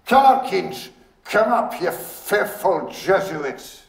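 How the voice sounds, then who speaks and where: A man voicing a jaunty, mocking young man who intones in a mock-priestly manner, brisk and gay. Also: medium pitch, very animated, darkish tone, reverberant. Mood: mock-coarse.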